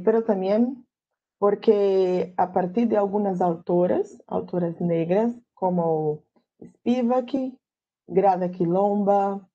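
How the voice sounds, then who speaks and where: A woman's voice: medium pitch, dull audio. A Brazilian woman whose first language is Portuguese, giving an academic lecture in Spanish and searching carefully for her words. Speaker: guest lecturer.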